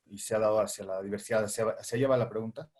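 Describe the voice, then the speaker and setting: A man speaks on a film panel, his voice sitting somewhat low. He talks in a measured, reflective way, pausing often on fillers and restarting phrases as he works out his thoughts. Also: fairly even intonation, a little mellow. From Bolivia. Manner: hesitant, many fillers and restarts. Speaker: filmmaker and teacher on a panel.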